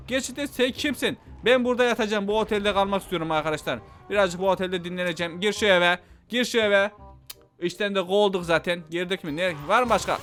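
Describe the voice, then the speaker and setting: A man giving excited gameplay commentary, speaking as his in-game character and yelling and cursing at the characters around him. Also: sits high. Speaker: gaming YouTuber.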